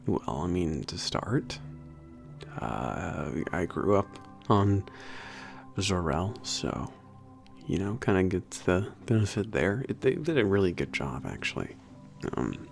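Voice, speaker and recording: A laid-back young werewolf trainer at a spaceport, acted by a man, speaks in a deep voice full of vocal fry. He is halting and informal, a little gruff, mumbling and trailing off as in an intimate ASMR roleplay. Soft music plays behind him. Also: exaggerated voice. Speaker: workplace trainer. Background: soft background music.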